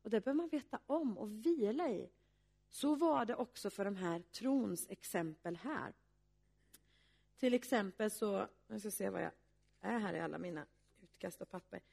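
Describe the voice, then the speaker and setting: A woman pastor giving a sermon, speaking earnestly and reflectively with pauses. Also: medium pitch, animated, creaky, darkish tone, breathy edge.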